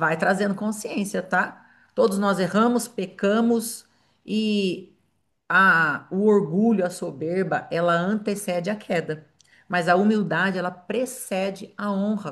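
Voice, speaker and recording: At a fairly slow pace, a woman talks with medium pitch and ordinary pitch variation in an ordinary speaking voice, against a quiet background. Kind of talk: online religious class. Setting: livestream with chat.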